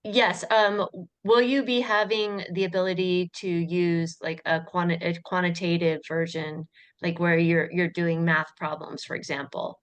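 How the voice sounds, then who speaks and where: Low-voiced woman judge, encouraging. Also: level tone, measured pace, muffled recording. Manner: encouraging, rephrases patiently. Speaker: competition judge.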